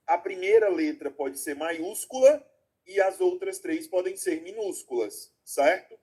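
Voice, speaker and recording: A man teaching an online class over a video call has a high voice with a darkish, slightly rough tone. His explanations go step by step with frequent check-in questions, and he calls the students "my loves."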